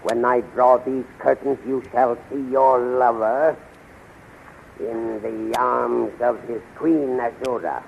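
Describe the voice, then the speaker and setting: A gravelly, menacing palace henchman. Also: mid-range voice, steady tone. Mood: sinister, gloating. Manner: commanding, slow, threatening. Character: menacing male palace henchman of a witch queen, cruel. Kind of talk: 1930s radio serial acting. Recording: muffled, noisy 1930s radio recording.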